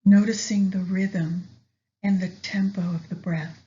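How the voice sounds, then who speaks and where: A woman leading a guided meditation in a soft, soothing manner with long pauses between phrases. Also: mid-range voice, steady tone. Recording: slightly dull lo-fi recording.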